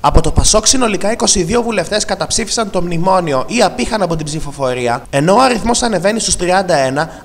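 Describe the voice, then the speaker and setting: A man reading a scripted television news report in an even, measured way. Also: high-pitched, in a large hall. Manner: even, measured reading of vote counts and names.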